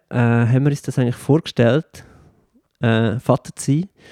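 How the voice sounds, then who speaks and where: A man speaks at medium pitch with a dark, mellow tone and ordinary pitch variation. The recording is very clean with a silent background, dry and close with no echo. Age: 40s. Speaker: podcast co-host, journalist. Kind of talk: casual chat.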